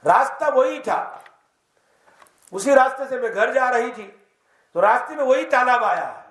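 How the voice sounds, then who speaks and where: A man's voice: very high-pitched, lively intonation, a bit bright. A man, an Islamic teacher, giving a mosque lesson. He tells the story in the first person and keeps quizzing the audience. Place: mosque hall. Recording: echoey mosque hall.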